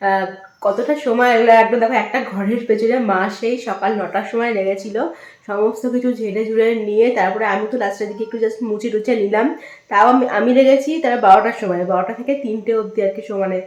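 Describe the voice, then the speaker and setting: A woman's voice: mid-range voice, steady tone, quick pace. Woman chatting in an echoey empty room. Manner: chatty, rambling, sprinkles English words. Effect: echo from a bare, empty room. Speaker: vlogger. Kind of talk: casual home vlog chat to viewers. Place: empty room at home, indoors.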